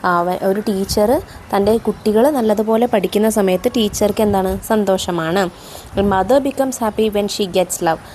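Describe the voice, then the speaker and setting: A woman teacher with a Malayali accent explaining a textbook, reading English lines slowly and then explaining them. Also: mid-range voice, darkish tone, slight background noise.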